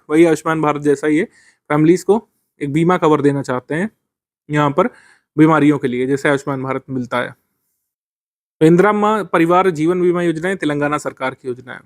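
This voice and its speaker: A man's voice: on the high side, no room sound, studio quality. A man teaching current affairs for a civil services exam, explaining step by step with frequent fillers.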